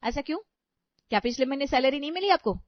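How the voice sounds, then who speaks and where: A woman's voice: high voice, expressive, quick pace, no room sound. A woman voicing a spoiled, haughty young bride in a cartoon story who is rude and sarcastic to her mother-in-law. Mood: demanding. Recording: dry, slightly dull audio.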